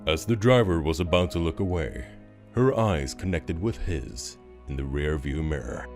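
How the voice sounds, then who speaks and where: Deep-voiced, expressive male narrator. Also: normal speed, faint music behind. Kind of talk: scripted story narration.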